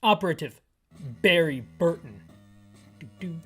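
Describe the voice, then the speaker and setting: A man's voice: a little high, expressive, a little slow, fairly bright tone, breathy edge, faint music behind. A man hosting an audio-described video game playthrough, narrating the screen with rambling, wry, self-mocking asides. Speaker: gaming channel host.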